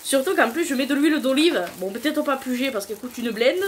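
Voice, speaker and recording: Speaking fairly quickly in a high voice, this young woman with a southern French accent is a beauty vlogger chatting at home as she applies a DIY hair treatment. She giggles, swears loosely, and keeps it casual, with slight background noise behind her.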